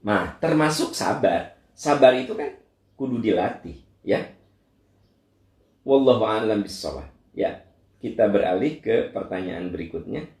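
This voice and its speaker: A man's voice: lowish voice, a little slow, long pauses, reverberant. A middle-aged male Islamic preacher, answering questions in a lecture and talking straight to his listeners. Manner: animated, voice leaps up for emphasis, talks to listeners directly. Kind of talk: Q&A religious lecture.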